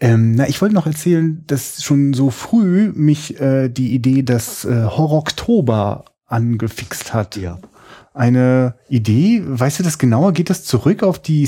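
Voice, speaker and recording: With a dark, mellow tone and a somewhat breathy quality, a man speaks at a fairly slow pace with very wide pitch swings. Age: 20s. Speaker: film podcast co-host. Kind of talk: casual chat. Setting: video call.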